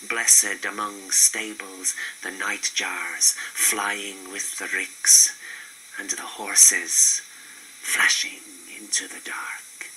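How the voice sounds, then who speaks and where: A man recites poetry in measured, declamatory phrases at a very slow pace. His voice is lowish with a very sharp, forceful edge, over a faint hiss. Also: rough recording. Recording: faint hiss and background noise.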